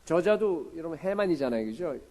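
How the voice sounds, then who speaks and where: Dark-voiced Korean pastor preaching conversationally. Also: male voice, on the high side, lively intonation, a little fast, rough recording. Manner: conversational preaching, asks the congregation questions, swings between loud and quiet. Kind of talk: sermon. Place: church sanctuary.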